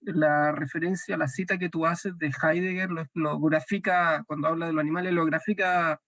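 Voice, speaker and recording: Un hombre con acento chileno que entrevista a su invitado, razonando en voz alta con pausas y muletillas. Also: male voice, on the high side, steady tone, fairly bright tone, no echo. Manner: thoughtful, with frequent filler words. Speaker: interview host. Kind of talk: conversational interview.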